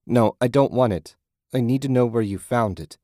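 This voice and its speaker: A man voicing a desperate young man who is shouting questions about a missing friend. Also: medium pitch, normal speed, no echo, clean studio sound, voice pushed up, natural voice. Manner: urgent, shouting.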